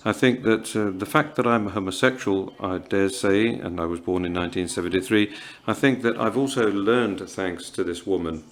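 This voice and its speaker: A man in his fifties from Morocco, speaking at a writers' panel in a halting, earnest way, with many pauses and fillers. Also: on the low side. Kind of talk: reflective festival panel talk.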